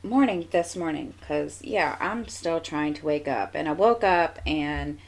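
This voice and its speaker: Woman, low voice, stuffy nose, relaxed rambling crafting vlogger. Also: measured pace, gravelly. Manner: chatty, meandering, many fillers and restarts. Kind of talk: casual rambling chat.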